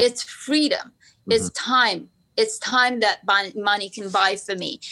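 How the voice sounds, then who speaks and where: A woman speaks with a Romanian accent in a fairly high pitch, her tone bright and sharp. Her pitch varies in an ordinary way. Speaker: real estate agent. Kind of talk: casual interview.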